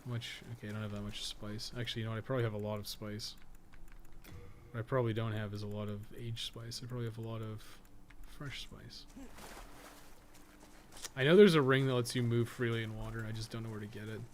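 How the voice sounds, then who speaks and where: A man's voice: lowish voice, fairly even intonation, fast talker, long pauses, slight background noise. A man giving casual, off-the-cuff video game commentary, rambling and thinking aloud with mild swearing. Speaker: podcast co-host playing a video game.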